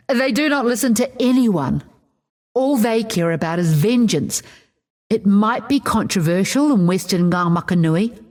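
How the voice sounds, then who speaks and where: A woman playing a proud, opinionated tribal warrior, recounting her people's myths in a measured, assured way for a game. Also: mid-range voice, lightly acted. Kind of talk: scripted in-character lore narration.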